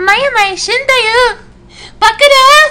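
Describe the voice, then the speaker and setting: A man performs a cartoonish character voice. It sits at an extremely high pitch. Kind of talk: anime voice acting.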